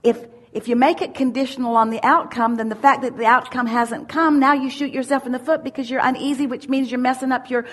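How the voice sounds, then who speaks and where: A woman giving a spiritual teaching at a seminar, speaking as "we" in an emphatic, drawn-out way. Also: high-pitched, fairly even intonation. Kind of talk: channeled teaching in first person plural.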